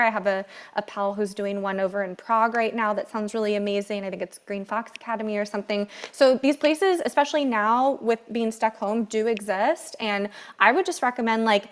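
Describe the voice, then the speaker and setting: Bubbly high-voiced woman in her thirties. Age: 30s. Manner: bubbly, chatty, laughs easily. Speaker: podcast co-host. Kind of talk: casual chat.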